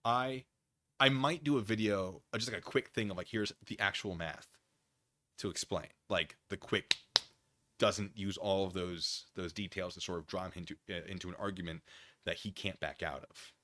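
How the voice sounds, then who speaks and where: Bright-voiced, lower-pitched man streaming casually. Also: normal speed, slight background noise. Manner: wry, rambling, acts out imagined exchanges. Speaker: livestream host reading and answering chat. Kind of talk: casual chat with livestream viewers.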